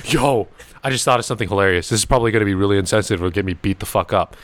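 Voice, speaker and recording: Young male podcast host, animated profane storyteller, dry close sound. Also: on the low side, racing, no room sound. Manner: swearing, laughing, animated anecdotes. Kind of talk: casual storytelling chat.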